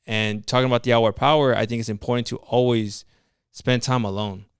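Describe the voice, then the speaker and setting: On a casual podcast, a young man with a Latino American English accent who went from nursing to entrepreneurship speaks earnestly and motivationally, full of slang and restarts. His mid-range voice is smooth and a little fast, with fairly even intonation. It's studio quality with no room sound.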